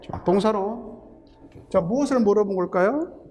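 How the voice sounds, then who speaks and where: Speaking at a moderate pace in a high voice with a darkish tone, a man lectures as an English linguistics instructor preparing students for a teaching exam. He explains each step, uses terms and asks rhetorical questions. The audio carries a long hall reverb and slight background noise.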